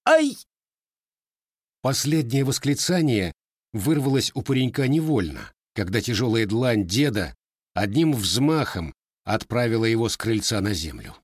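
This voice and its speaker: A man narrating an audiobook in an even, measured reading. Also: fairly low pitch, slightly rough, no room sound, clean studio sound. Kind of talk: scripted narration.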